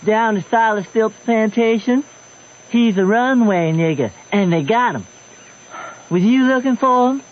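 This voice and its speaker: A man's voice: sits high, unhurried. An actor playing an eager, gossipy backwoods boy with a rustic American Southern dialect in a radio drama. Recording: muffled old radio recording, noisy.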